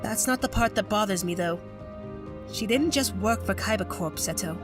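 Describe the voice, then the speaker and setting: An earnest, clever young boy, played by a woman in an audio drama. He sounds concerned, at a medium pitch for a female voice, with faint music behind. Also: normal speed, close to an everyday voice. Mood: earnest, cautioning.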